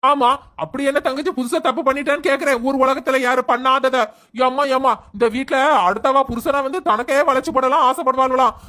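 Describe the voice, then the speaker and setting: A woman's voice: high voice, fairly bright tone. A woman voicing a protective elder sister who answers back defiantly. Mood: retorting. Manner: brisk, defiant. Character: protective elder sister Vadivu, quick-tempered.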